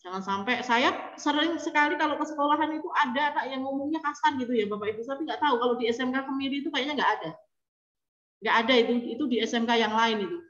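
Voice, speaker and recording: A woman's voice: high-pitched, quick pace, fairly bright tone. Chatty woman lecturing over an echoey call. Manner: chatty, addresses listeners often, acts out quoted students. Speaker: speaker at an online teacher training session. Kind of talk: informal lecture to teachers. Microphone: video call. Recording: echoey online call audio, dull and lo-fi.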